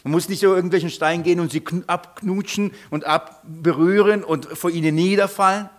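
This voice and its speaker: A man preaching a sermon, animated, asking the congregation questions and repeating sounds to imitate a foreign tongue. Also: high voice, a little fast. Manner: animated, repeats nonsense syllables to mimic foreign speech.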